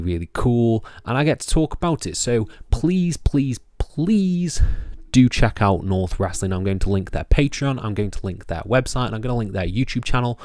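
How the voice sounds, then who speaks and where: A man's voice: on the low side, a little mellow, no room sound, clean studio sound. A young man from England with a Stoke-on-Trent accent, hosting a solo wrestling review and talking enthusiastically, doubling words for emphasis. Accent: Stoke-on-Trent English. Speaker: wrestling reviewer, channel host.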